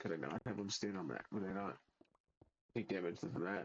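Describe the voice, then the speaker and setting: At a fairly quick pace, a man talks in a fairly low voice with vocal fry. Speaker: gaming streamer. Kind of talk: live gameplay commentary. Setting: live stream. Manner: halting; fast.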